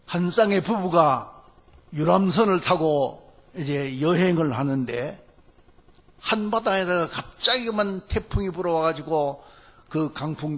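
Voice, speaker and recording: A male pastor telling a story in a Sunday sermon, unhurried and full of hesitant fillers between phrases. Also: fairly high pitch, fairly bright tone, breathy edge.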